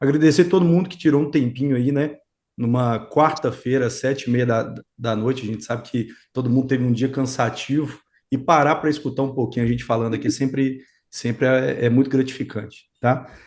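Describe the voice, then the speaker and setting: Speaking fairly quickly, a man holds a medium pitch. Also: quiet background. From Minas Gerais, Brazil. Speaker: company co-founder, telemetry engineer. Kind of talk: live-stream interview, technical chat. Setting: live stream. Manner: halting, frequent repetitions and fillers.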